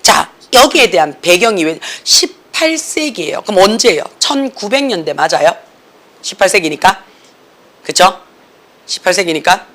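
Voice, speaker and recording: A woman's voice: mid-range voice, moderate pace. A woman teaching an English academy class, constantly checking in with her students. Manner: lively, asks students constant check questions. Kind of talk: classroom lecture.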